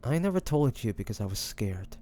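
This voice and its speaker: A man playing a devoted, nervous young man in love with his best friend, speaking softly and hesitantly in an intimate romantic audio roleplay. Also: medium pitch, very animated, a little fast, lightly acted. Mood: earnest, confessional. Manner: hesitant, stammering, breathy sighs.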